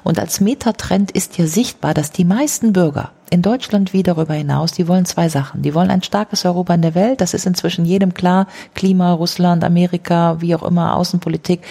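A woman guest in an interview, explaining her ideas at length and tossing in tag questions as she goes. Her voice is dark and gravelly, with a husky edge. Her pitch leaps up whenever she stresses a point. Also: fairly quick, few pauses. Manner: talks in long runs, often adds tag questions and fillers; lively, jumping pitch on emphasis. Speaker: author and guest.

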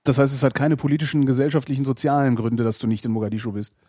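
Fast-talking male interviewer. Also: medium pitch, fairly even intonation, mellow, dry recording. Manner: probing, quick questions. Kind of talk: casual interview.

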